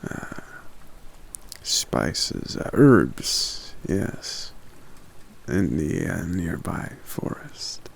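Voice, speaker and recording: A man voicing a gentle, courteous forest giant in an ASMR roleplay, speaking softly and hesitantly with polite hums and pauses. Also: heavily acted. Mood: bashful, hesitant. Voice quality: very deep, gravelly.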